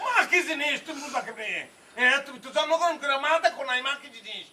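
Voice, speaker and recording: A guy playing a loud sylheti son ranting fast, super bright. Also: extremely high pitch, expressive, full character voice. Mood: accusing. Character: hot-headed grown son defending his mother.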